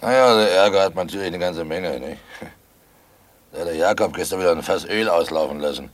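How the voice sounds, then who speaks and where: An actor playing a guilt-ridden, wily village innkeeper, nervous and falsely jovial, in a radio play, with a gravelly, husky voice. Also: male voice, low voice, brisk, natural voice. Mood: forced joviality. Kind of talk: German radio play acting.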